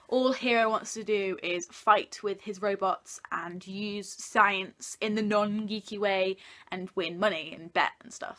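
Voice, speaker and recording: A young adult woman chats casually to her viewers in a countdown review to camera, vlogger-style, joking and offering strong opinions. Her voice sits in the mid range and sounds pushed and bright.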